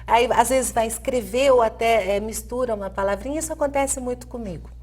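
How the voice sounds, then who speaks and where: A woman's voice: a little high, fairly quick, darkish tone. A middle-aged Brazilian woman, a language teacher, explaining things in an interview with hesitant fillers and tag questions. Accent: Brazilian Portuguese. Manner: hesitant fillers, frequent "né?", light laughs. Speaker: Spanish language teacher, guest.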